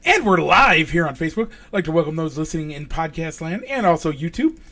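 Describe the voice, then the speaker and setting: A man hosts a sports podcast with an upbeat, energetic delivery. His voice sits fairly high and sounds bright and forward. Allergies leave it slightly raspy. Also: quick pace. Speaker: podcast host. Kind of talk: casual sports talk.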